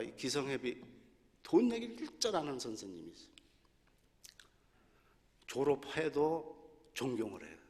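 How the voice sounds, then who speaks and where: Older male preacher, lively storytelling sermon, slightly high voice, long church reverb. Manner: animated storytelling with laughs and mimicked voices.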